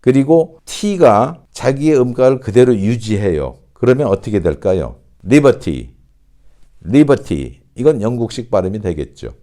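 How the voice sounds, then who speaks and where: A man teaching an online English pronunciation lesson, speaking slowly and deliberately and repeating example sentences. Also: medium pitch, expressive, warm tone.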